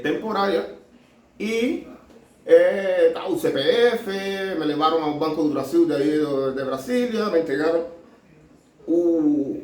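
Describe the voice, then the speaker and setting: A Cuban man tells his story in a high voice, stopping and restarting as he slides between Spanish and Portuguese. He sounds a little distant from the mic, in an echoey room. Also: a little mellow. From Cuba. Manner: halting, mixing Spanish and Portuguese, many restarts. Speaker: doctor telling his story. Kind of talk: casual storytelling.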